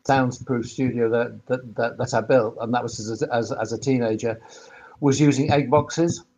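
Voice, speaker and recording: A man's voice: medium pitch, fairly even intonation, normal speed, darkish tone. A man speaking informally as an expert panellist on a webinar, often repeating words as he explains. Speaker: expert panellist, sound engineer.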